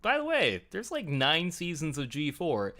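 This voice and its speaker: A man running a fan livestream talk show chats with a group on an online call from his home setup, using a headset and rambling with self-deprecating jokes. His voice is a little high and bright, forceful in tone, swooping wildly in pitch at a slightly slow pace.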